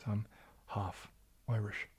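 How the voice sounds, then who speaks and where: A young man hosting a casual livestream Q&A, soft-spoken and often slipping into a whisper. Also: lowish voice, little pitch movement, slow pace, husky. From New Zealand. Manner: soft-spoken, drifting into whispers, frequent restarts. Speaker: ASMR livestream host.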